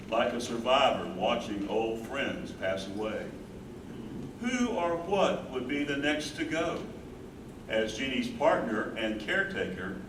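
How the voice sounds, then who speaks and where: A man playing a tender, mournful aging husband and caretaker in a staged reading. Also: medium pitch. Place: live staged reading in an echoey room. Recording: roomy, distant, noisy stage recording.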